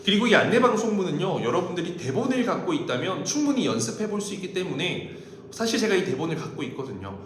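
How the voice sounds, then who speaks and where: The recording has a clear room echo and a faint layer of noise. A man speaks to viewers as a coach, polite and explanatory. His intonation is highly animated as he walks through his advice point by point. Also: quick pace. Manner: polite, explanatory, step-by-step delivery. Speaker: job interview coach and host. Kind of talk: instructional talk to viewers.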